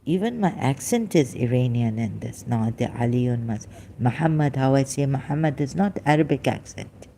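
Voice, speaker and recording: A speaker in their fifties talks on a livestream, sounding weak and worn out. The voice is mellow and dark-toned, and the speech halts often, with fillers and restarts. A faint noise sits underneath. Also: mid-range voice, expressive, gravelly. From Pakistan. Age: 50s. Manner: halting, with many restarts and fillers. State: weak and tired. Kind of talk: rambling livestream monologue.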